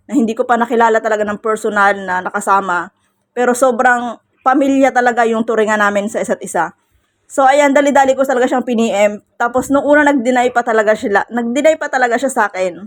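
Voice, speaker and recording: A woman in her thirties talks to her viewers in a casual birthday vlog. Her voice sits a little high. She sounds heartfelt and emotional, and she mixes English phrases into her talk. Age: 30s. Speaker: vlogger.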